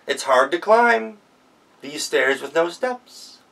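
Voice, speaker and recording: A man voicing a great big helpful fish who speaks slowly and carefully. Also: on the high side, animated, vocal fry, sharp tone, distant mic, full character voice, low-quality recording. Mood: calm. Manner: slow, careful warning.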